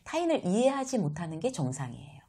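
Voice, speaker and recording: Husky middle-aged woman lecturing with animation. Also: on the low side, fast. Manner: lively, exclamatory, acts out quoted dialogue. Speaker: career and life lecturer. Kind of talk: casual lecture to camera.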